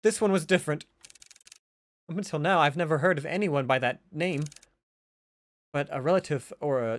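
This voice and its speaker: A man's voice: on the high side, dry recording, voice pushed up, lightly acted. A man voicing a distressed, polite young woman in a visual novel, pleading and tremulous as she seeks a detective's help.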